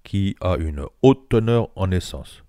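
A sly old bush yarn-spinner, put on by a male reader, spinning tall tales with emphatic swings. The voice sits deep and dark. The sound is dry and close. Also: lively intonation, unhurried, no room sound.

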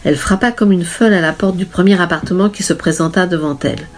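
A woman narrating a story in a measured, even reading manner. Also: fairly low pitch. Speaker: audiobook narrator.

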